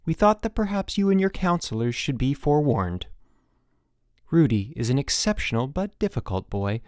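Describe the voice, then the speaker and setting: Storybook letter-writing parent, played by a man: formal, careful, concerned, pitched up. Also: very animated, normal speed, darkish tone, no room sound, studio quality, natural voice. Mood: earnest, cautioning.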